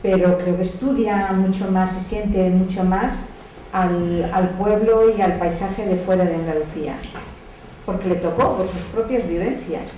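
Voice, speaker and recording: A woman's voice: medium pitch, fairly even intonation, a little slow, warm tone. A woman with an accent from Spain, speaking spontaneously in a reflective, explanatory way during a literary discussion. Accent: Spanish (Spain). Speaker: audience member commenting. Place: echoey indoor hall at a public talk. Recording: distant, very echoey room, faint noise.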